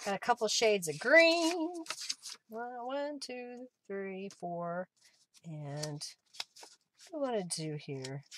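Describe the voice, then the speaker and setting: A woman at a very slow pace, with very wide pitch swings, big swings in loudness, long and frequent pauses, noticeable background noise and a dry sound with no echo. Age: 50s. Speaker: craft artist and online shop owner; crafter hosting a live stream. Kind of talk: live-stream craft tutorial with chat. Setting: live stream, home craft room. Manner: chatty, frequent laughter. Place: home room.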